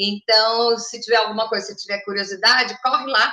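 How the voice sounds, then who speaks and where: A woman speaks with a fairly high pitch. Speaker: Bible study teacher. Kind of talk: bible study talk. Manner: animated.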